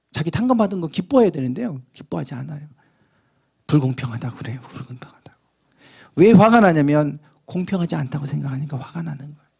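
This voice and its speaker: A man preaching a sermon as pastor, telling a parable with lively acted-out dialogue. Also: sits high, vocal fry, slightly rough. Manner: animated storytelling, acting out the parable's dialogue.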